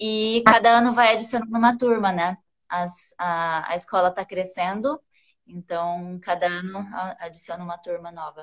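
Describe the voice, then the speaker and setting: A woman at a medium pitch with ordinary pitch variation, a moderate pace and big swings in loudness. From Brazil, Mato Grosso do Sul and São Paulo state. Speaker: music teacher and missionary. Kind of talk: casual interview over video call.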